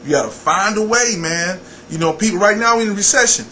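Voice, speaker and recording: A middle-aged American man talking casually as an interview guest, blunt and animated, repeating phrases for emphasis. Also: high voice, a little fast, a little hiss or hum. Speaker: radio personality and program director, interview guest.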